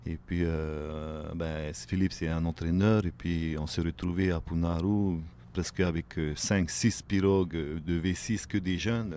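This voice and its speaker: A man, talking casually as a guest on a radio show, filling pauses with "ben", "hein" and "voilà". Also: low voice, fairly even intonation, mellow, a little hiss or hum. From Tahiti. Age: late 30s. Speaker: guest, outrigger canoe paddler. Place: radio studio.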